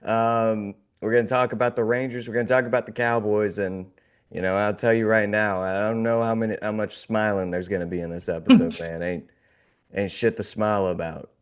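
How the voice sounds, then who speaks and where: Low-voiced man hosting a sports podcast. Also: level tone, brisk, clean tone. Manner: glum, sarcastic, laughing off the gloom. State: recovering from illness, voice a little off. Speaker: podcast host. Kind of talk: casual sports podcast chat.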